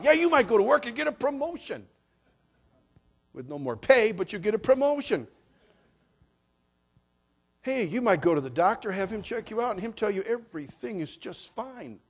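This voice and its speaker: A middle-aged pastor with a high voice preaches a sermon in a folksy, joking style, building up to passages he shouts.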